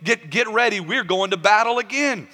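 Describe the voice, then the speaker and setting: A man's voice: sits high, steady tone, fast, pushed and bright. A man voicing an angry biblical warrior king vowing revenge, in a sermon with long reverb. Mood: furious.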